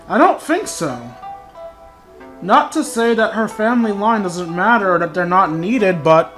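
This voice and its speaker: A man's voice: sits high, fairly bright tone. A man giving casual playthrough commentary as a gaming YouTuber, with informal, self-deprecating asides.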